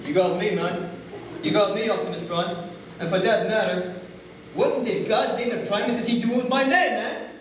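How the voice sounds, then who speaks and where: An indignant, streetwise robot acted by a man talks casually in a high voice. It is a live reading, far from the microphone in a strongly echoing hall with faint noise. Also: normal speed, fairly bright tone. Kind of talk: live dramatic script reading.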